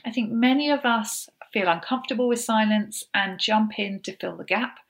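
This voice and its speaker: A woman hosting a solo coaching podcast. She explains things practically and step by step, with gentle fillers. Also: a little high, normal speed. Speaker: podcast host.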